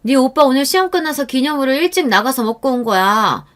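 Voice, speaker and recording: A petty, sharp-tongued middle-aged aunt, put on by a woman reading the story. She scolds and needles in a raised, shrill voice. She sounds like a figure in a storytelling reading. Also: lively intonation, fairly quick. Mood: defensive, irritated.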